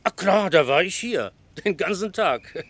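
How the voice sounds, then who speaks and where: A man's voice: sits high, lively intonation, a little slow, a bit bright, exaggerated voice. An actor playing a chatty, simple parking attendant in a radio crime play, deferential and eager, often hesitant as he thinks. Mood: obliging.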